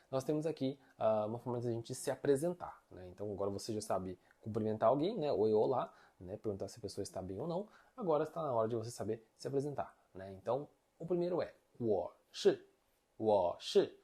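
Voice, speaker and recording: A man's voice: medium pitch, warm tone, husky. A man with a Brazilian Portuguese accent teaching basic Mandarin in a casual online lesson, explaining patiently and ending his points with little check-in questions. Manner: explanatory, many tag questions, slow demonstrations of phrases.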